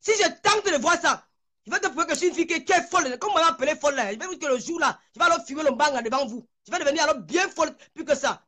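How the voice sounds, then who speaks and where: A woman's voice: high-pitched, animated, racing, bright, forceful tone. A woman in a heated online video rant, furious and shaking with anger, hurling insults and stammering over repeated words. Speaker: social media personality.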